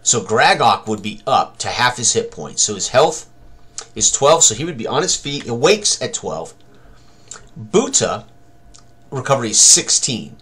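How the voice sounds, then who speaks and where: A man's voice: medium pitch, sing-song, unhurried, bright, forceful tone, husky. An older man thinking aloud as game master, narrating a tabletop combat tutorial with dramatic turns of phrase. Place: small room indoors at a computer.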